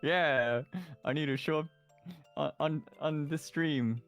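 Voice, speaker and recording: A man's voice: fairly high pitch, slow, soft background music. A young man chatting casually, giggling often and filling his speech with likes and ums. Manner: giggly, lots of fillers and gasps. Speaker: streamer. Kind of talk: casual chat.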